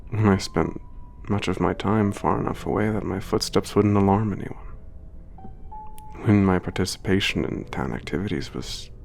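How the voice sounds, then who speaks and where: A man plays a gentle, melancholy giant who speaks in a low, gravelly voice. His words are formal and reflective, and he often drops to a whisper. Soft music plays faintly behind him. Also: moderate pace. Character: gentle, melancholy giant protector, older-sounding. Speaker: narrator of letters home. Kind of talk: ASMR audio drama narration.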